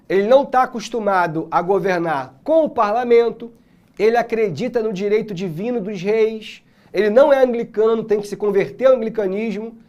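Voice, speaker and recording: Brief: Brazilian male history teacher, high voice, slangy and animated, casual exam-prep lecture.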